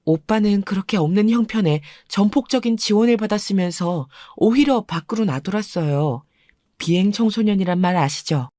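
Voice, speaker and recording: A woman telling a first-person life story in calm, confiding scripted narration. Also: medium pitch, no room sound, studio quality.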